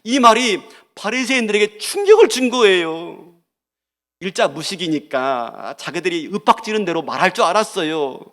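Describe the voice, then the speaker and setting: A male pastor delivers a sermon with a high, lively voice that leaps up and drops low. He fires off rhetorical questions and acts out the people he quotes. The sound carries the long reverb of a church hall. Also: moderate pace. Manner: animated preaching, rhetorical questions, acted-out quotes. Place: church sanctuary.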